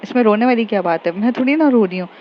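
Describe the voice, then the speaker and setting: A woman's voice: fairly high pitch, animated, quick pace, natural voice. A woman voicing an upset young woman who hides her tears and mixes English into her Hindi. The recording is slightly dull, with faint noise behind. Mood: deflecting.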